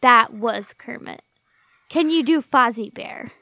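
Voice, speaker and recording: A woman chatting on a podcast, excitable and giggly, who sometimes trips over her words. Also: on the high side, takes it slowly, dry recording, clean studio sound. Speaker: podcast co-host. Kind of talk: casual podcast chat.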